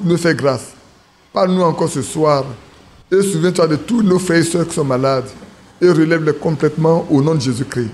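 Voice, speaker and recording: A man from Ivory Coast, with a fairly high but darkish voice, preaches informally to his church. He keeps it conversational at the assembly, regularly asking the congregation questions.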